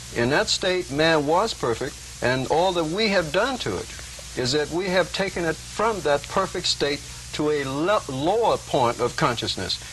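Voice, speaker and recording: A fairly high-pitched man at a moderate pace, lively intonation, noticeable background noise behind him. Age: 40s. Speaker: breatharianism advocate. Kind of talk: TV talk show interview.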